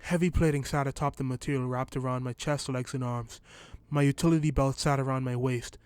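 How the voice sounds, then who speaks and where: A man reading a short story in scripted first-person narration, telling it at a steady, even pace. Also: medium pitch, smooth, dry recording.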